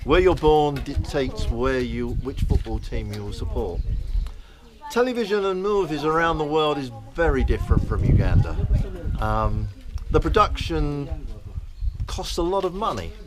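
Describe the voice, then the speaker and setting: A man with a London accent, an actor answering interview questions in a measured way with soft fillers. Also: a little high, sing-song, noisy background. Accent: London English. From England. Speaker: guest actor and presenter. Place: film set in Uganda. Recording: crowd chatter behind.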